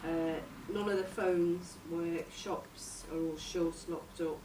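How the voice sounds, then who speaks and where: A woman informally pitching a story outline in a tentative, halting way, searching for her words. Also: steady tone. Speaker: workshop participant presenting a radio drama outline. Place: echoey room, recorded from a distance. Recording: roomy, distant mic, noisy background.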